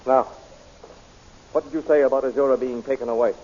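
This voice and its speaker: A mid-pitched man's voice from an actor plays a loyal, courteous nobleman who guards a palace. He speaks formally and earnestly in 1930s radio serial style. The recording is dull and old. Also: steady tone, a little fast, mellow, natural voice. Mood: dismayed.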